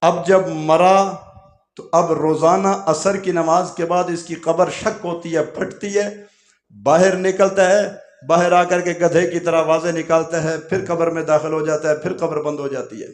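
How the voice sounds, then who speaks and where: A man's voice: fairly high pitch, level tone. Dramatic male preacher, echoey room. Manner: dramatic, emphatic, acts out quoted dialogue. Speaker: Islamic preacher. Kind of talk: emotional storytelling sermon.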